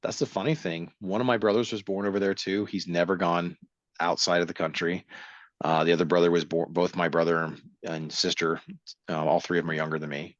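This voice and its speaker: Deep-voiced and fairly even in intonation, this middle-aged man talks a little fast as an interview guest, his accent a blend of American, English and Irish. He recounts his story casually, wandering off and fixing his own words with dry wit, on a dull, dry recording.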